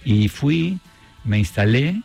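A middle-aged man from Argentina with an Argentine Spanish accent, chatting as an interview guest and often pausing and restarting his sentences. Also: medium pitch, expressive, vocal fry, a little mellow, breathy edge, soft background music. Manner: hesitant, many restarts and fillers. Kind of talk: casual interview chat.

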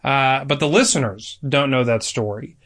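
A man's voice: medium pitch, moderate pace, fairly bright tone. A man hosting a theology podcast, introducing his guest in an upbeat, joking way. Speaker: podcast host. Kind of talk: casual podcast interview.

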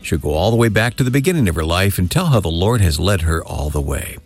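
Low husky guy hosting a radio interview, swings his pitch a lot, laughs along with the guest. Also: lively intonation, quick pace, no room sound, soft background music. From Michigan. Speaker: interview show host.

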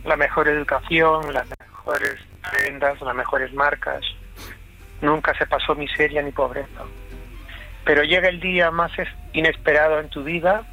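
Bright-voiced man calling a radio show. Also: on the high side, fairly even intonation, faint music behind, rough recording. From Chile. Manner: halting, reflective storytelling. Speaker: caller. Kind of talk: telling a family story on late-night radio.

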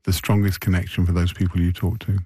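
A man hosting an interview, asking reflective questions in a conversational way with halting restarts. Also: low voice, little pitch movement, warm tone, breathy edge, no room sound, studio quality. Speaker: interviewer host.

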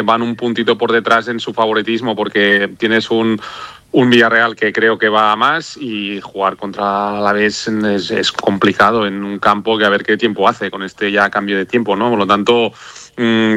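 A man's voice: on the low side, steady tone, moderate pace, sharp tone, clean tone, dry recording. A man on a sports radio panel, confident and firm in his predictions.

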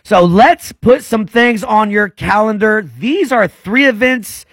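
A man's voice: sits high, takes it slowly, a bit bright, no room sound, studio quality. A man in his forties co-hosting a casual radio show, joking and plugging events. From United States. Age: 40s. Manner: playful, joking. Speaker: co-host. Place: radio studio.

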